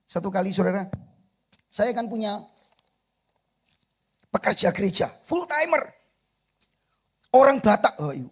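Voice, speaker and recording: A middle-aged male pastor with an East Javanese accent preaching an animated sermon in a church, swinging between soft asides and shouted peaks and calling for amens. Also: high-pitched, measured pace, pauses often, slightly rough. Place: church sanctuary.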